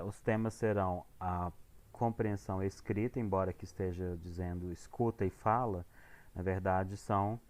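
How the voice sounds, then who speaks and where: A man with a Brazilian Portuguese accent walks his students through their reading tasks, his somewhat low voice steady under frequent fillers and self-corrections. He sounds casual and unpolished, like a teacher talking things through. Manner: casual, hesitant, with many fillers and restarts. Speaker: English teacher. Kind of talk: explaining schoolwork to students.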